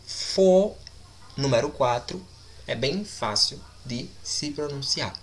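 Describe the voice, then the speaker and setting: A man teaching English numbers, speaking deliberately and repeating each word several times for his students. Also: mid-range voice, fairly bright tone. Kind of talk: recorded language lesson.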